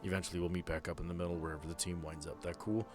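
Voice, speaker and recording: A man's voice: low-pitched, little pitch movement, rapid-fire, music in the background. A man speaking informally as game master, narrating a tabletop horror game. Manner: informal, profane.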